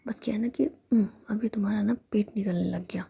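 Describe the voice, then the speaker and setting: A woman's voice: medium pitch, fairly even intonation, a little fast, vocal fry, warm tone, a little hiss or hum. A woman voicing a coy, teasing young woman, speaking in a whisper.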